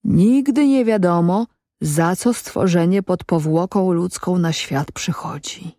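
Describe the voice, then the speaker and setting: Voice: mid-range voice, warm tone, no room sound, studio quality. A storyteller voicing a solemn, philosophizing black goat in an audiobook, speaking in an archaic, ponderous way. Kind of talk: audiobook reading.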